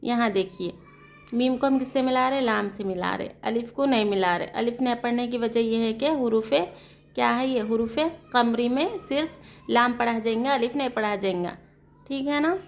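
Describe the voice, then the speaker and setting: A woman with a South Asian Urdu-Hindi accent teaches Quran reading, her voice fairly high in pitch. She slowly spells out letters and vowel marks, using questions to explain the rules in this unhurried, spelled-out recitation lesson.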